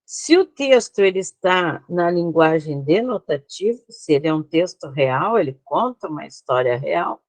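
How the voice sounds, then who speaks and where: A woman's voice: lowish voice, lively intonation, moderate pace, few pauses, a little mellow, no room sound. A Brazilian woman teaching an online class, explaining slides step by step and often checking that her students follow. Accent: Brazilian Portuguese.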